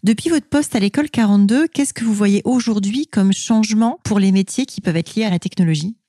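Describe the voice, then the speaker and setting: Interviewer: woman, brisk and engaged, mellow mid-range voice, heard through a face mask. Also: medium pitch, no echo, clean studio sound. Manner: engaged, summarising and affirming answers. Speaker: interviewer, host. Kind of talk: conversational interview questions.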